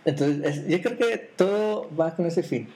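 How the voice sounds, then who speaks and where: A man's voice: on the high side, expressive, measured pace, background noise. A man hosting a casual podcast, teasing his co-host with playful jokes and frequent restarts. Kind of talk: casual joking chat.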